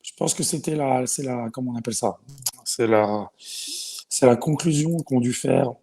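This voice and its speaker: Husky, mellow-voiced male panelist. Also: medium pitch, unhurried. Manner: searching for words, then emphatic. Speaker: regular panelist. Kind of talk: casual football debate.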